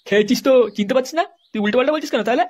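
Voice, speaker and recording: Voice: high-pitched, very fast. A performer voicing a boastful, short-tempered poor husband in a comedy cartoon, foul-mouthed and insulting, with a West Bengal accent. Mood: boastful scolding. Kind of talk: amateur comedy cartoon dialogue.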